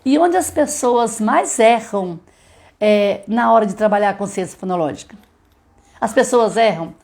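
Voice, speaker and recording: A woman's voice: mid-range voice, expressive, moderate pace, gravelly, darkish tone. Woman teacher, middle-aged, live-stream lesson with sound demonstrations and frequent check-ins. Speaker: literacy teacher.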